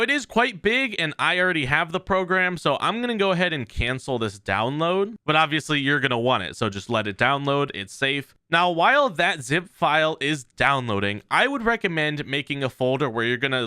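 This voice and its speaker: A man's voice: medium pitch, sharp tone, clear, resonant tone, no room sound. A man presenting a tech tutorial in a casual, conversational way, explaining step by step into a close mic. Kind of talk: casual software walkthrough.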